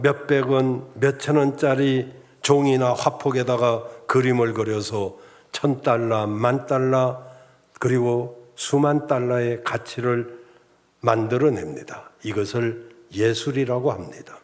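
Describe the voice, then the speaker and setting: A male pastor preaching a Sunday sermon in a measured, enumerating style, often addressing the congregation directly. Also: medium pitch, darkish tone. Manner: measured preaching with enumerated points and rhetorical asides. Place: church sanctuary.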